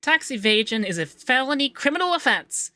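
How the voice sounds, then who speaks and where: Man acting a bright-voiced, coy, effeminate young accountant. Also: very high-pitched, sing-song, a little fast, no echo, full character voice. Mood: quietly menacing. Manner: coy, teasing, lilting, hesitant in places. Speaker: ASMR voice actor. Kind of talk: ASMR roleplay.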